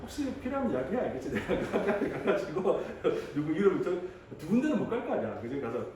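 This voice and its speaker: A male teacher in his thirties gives a high school English lesson, breaking off into chatty asides and calling on students by name. His voice is warm, dark and lively, rising and falling a lot. He sounds set back from the mic, in a very echoey room with a faint hiss. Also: fast, distant mic. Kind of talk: classroom lecture. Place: classroom.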